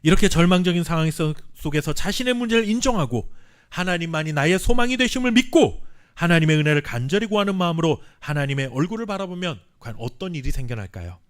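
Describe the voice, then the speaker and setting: A Korean pastor preaching a sermon with earnest emphasis and dramatic pauses, sometimes reading scripture slowly. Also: male voice, fairly high pitch, lively intonation. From South Korea. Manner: reads scripture aloud slowly with the congregation.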